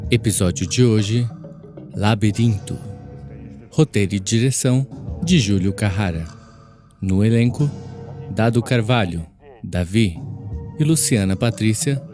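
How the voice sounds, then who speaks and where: A male announcer reads scripted radio drama credits. His voice is slightly low and soft-edged, with music playing behind him.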